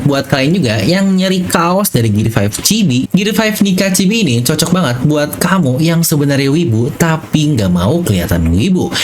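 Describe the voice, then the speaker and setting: A man's voice: fairly high pitch, slight background noise. An Indonesian man hosting an anime theory video, chatty and playful as he narrates with casual slang and talks straight to viewers. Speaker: YouTube channel host.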